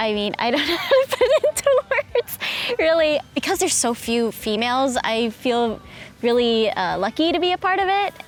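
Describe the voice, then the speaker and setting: A woman's high-pitched voice with very wide pitch swings, a moderate pace and noticeable background noise. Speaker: voice actor. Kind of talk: interview answer.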